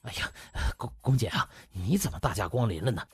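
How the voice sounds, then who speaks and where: A man's voice: on the low side, animated, fast, husky, no echo, pitched below the performer's own voice. A man voicing an obsequious, flustered male hospital director with a hot temper, in an audiobook drama, gushing and fawning.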